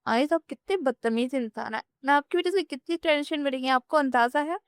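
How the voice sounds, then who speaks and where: A shy yet feisty young bride, voiced by a woman reader, her lines pitched higher and flustered. The tone stays smooth and clear, with a dry, close sound. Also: animated, dry recording. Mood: indignant.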